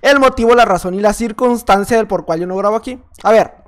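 A man's voice: high-pitched, fast talker. Playful young man with a Mexican accent. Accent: Mexican Spanish. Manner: playful, chatty, slangy, repeats phrases. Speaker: gaming YouTuber. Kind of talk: casual gameplay commentary.

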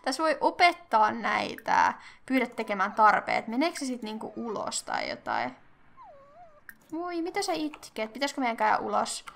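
Excitable young woman with a gravelly edge. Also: fairly high pitch. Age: young adult. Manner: excitable, squeals at cute animals; chatty, thinks aloud with fillers. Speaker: gaming channel host. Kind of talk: casual game commentary.

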